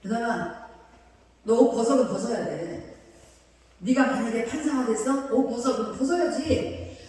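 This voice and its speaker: A woman pastor preaching a sermon in an animated, colloquial way, acting out quotes. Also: a little high, normal speed. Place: church sanctuary. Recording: echoey church hall, distant mic.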